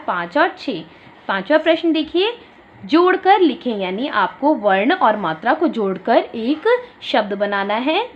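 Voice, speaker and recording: A woman teaching an online lesson to small children. She stretches out syllables slowly and asks questions, then answers them herself. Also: on the high side. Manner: slow drawn-out syllables, asks and answers her own questions. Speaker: primary school teacher. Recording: dull lo-fi sound.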